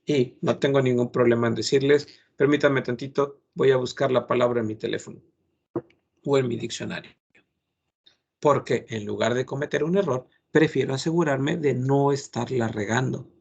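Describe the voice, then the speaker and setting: A man's voice: medium pitch, moderate pace, vocal fry, a little mellow, breathy edge, highs cut off. A man, a French teacher lecturing his class in an earnest, admonishing way, giving many examples.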